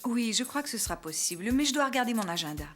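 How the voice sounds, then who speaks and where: High-voiced, gentle cartoon mom. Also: female voice, expressive, fast. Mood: busy, firm. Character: gentle, patient young mother of small children. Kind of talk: children's cartoon dubbing. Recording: music behind the dialogue.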